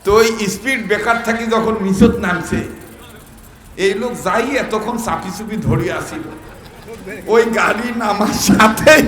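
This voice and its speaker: A male preacher with a Rangpur dialect, telling a comic story and shouting questions out to his listeners. His voice sits high and sounds sharp and bright. It rings with long echo through loudspeakers over a murmuring crowd. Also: a little hiss or hum. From Bangladesh. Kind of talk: humorous sermon at a religious gathering.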